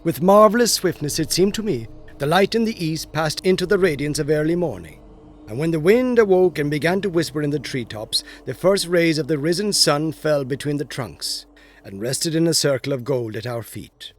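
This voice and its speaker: A male horror author reading a classic ghost story aloud in a measured, atmospheric storytelling manner. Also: on the high side, lively intonation, a little hiss or hum. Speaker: audiobook narrator and horror author.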